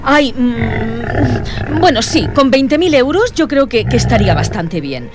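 Theatrical seance medium, high, swooping voice. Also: female voice, very animated, takes it slowly, noisy background. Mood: sly, coaxing. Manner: seance medium summoning spirits, dramatic and theatrical. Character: theatrical, scheming female spirit medium, haughty and condescending. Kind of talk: scripted comedy-drama acting.

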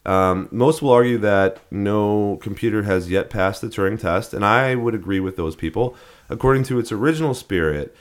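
A man with a fairly low voice talks through ideas in a loose, rambling way. He restarts sentences and leans on fillers as he chats with a co-host on a podcast. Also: normal speed. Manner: rambling, many restarts and fillers, laughs at odd names. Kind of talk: casual chat.

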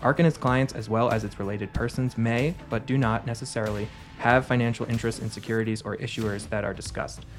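A man reading a scripted legal disclaimer quickly and formally, as an announcer. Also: mid-range voice, steady tone, soft background music. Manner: rapid, formal read-out.

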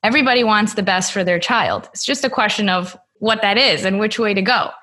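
Woman host, calm and thoughtful interviewer. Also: medium pitch. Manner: thoughtful, measured questioning. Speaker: podcast host. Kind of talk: interview questioning.

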